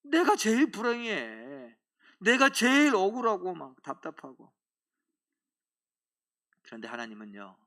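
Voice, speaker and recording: A middle-aged male pastor giving a lively sermon in a church, acting out little scenes and joking with the congregation. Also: medium pitch. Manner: animated, acts out voices and jokes with the congregation. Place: church sanctuary.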